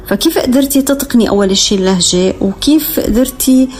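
A woman's voice: fairly high pitch, quick pace, darkish tone, soft background music. A woman podcast host, asking carefully phrased, formal interview questions.

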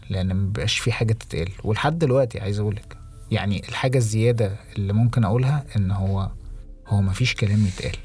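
A young Egyptian man co-hosting a podcast, talking reflectively with halting restarts and English phrases mixed in. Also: fairly low pitch, a little mellow, slightly rough. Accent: Egyptian Arabic. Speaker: podcast co-host. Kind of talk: casual podcast conversation.

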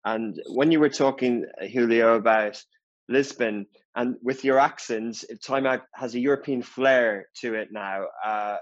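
A man's voice: mid-range voice, unhurried, dry recording, dull audio. A man interviewing a business executive, asking long, multi-part questions.

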